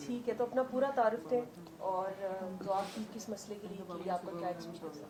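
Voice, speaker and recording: A woman interviewing a guest, asking brisk, probing questions. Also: medium pitch. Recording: distant voice over crowd chatter.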